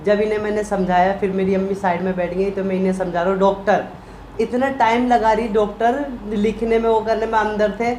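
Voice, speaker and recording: A man's voice: high-pitched, fairly quick, a little hiss or hum. Man recounting a story in an echoey room. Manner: emotional, animated retelling with quoted voices. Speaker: vlogger, husband. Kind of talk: casual storytelling chat.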